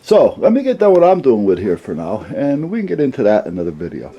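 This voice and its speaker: A man's voice: mid-range voice, wildly swooping pitch, fast talker, mellow, lo-fi sound. A man giving a casual hands-on demonstration in a folksy, rambling way, as a hobbyist presenter. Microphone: camera mic about a foot away. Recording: clear background noise, radio sounds.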